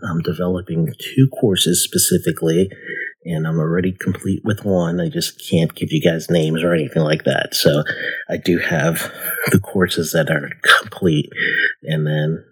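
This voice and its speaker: Low husky guy in his 40s, chatty solo podcast, lots of uhs. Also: little pitch movement, moderate pace, fairly bright tone, low-quality recording. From United States. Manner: rambling, friendly, many fillers. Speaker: podcast host. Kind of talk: casual solo podcast talk.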